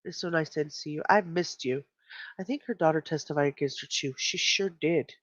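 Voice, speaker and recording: A woman's voice: sits low, brisk, dry recording. A woman hosting a casual livestream, chatty and emphatic, with a stuffy nose. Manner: chatty, reacts to chat, emphatic. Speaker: livestream host. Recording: dull lo-fi stream audio.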